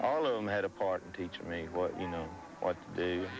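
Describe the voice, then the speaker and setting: A man's voice, dry with no echo, against noticeable background noise. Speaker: ranch hand. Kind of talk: interview testimony. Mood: reflective, nostalgic. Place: farm machine.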